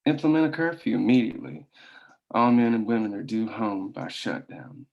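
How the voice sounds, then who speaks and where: A man's voice: on the low side, sing-song, normal speed, gravelly, highs cut off. A man playing a stern, domineering mine boss and father in a script table read. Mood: commanding.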